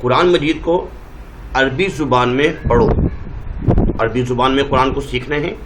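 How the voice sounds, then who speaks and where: A male teacher with a Pakistani Urdu accent, giving a Quran reading lesson and drawing out each letter name slowly to show how it is said. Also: medium pitch, noisy background. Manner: draws out letter names slowly, modelling pronunciation.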